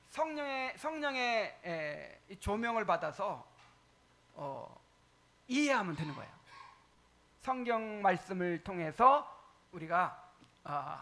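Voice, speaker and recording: Lively high-voiced pastor teaching. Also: male voice. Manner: asks the congregation questions, emphatic repetition; frequent fillers and pauses. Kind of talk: catechism teaching sermon.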